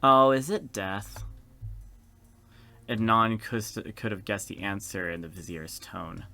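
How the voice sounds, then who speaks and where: A man's voice: fairly low pitch, steady tone, takes it slowly, bright, forceful tone. A man in his twenties reading visual novel narration aloud as a let's play host, breaking into casual, sweary reactions. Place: small room indoors with gaming setup. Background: game music.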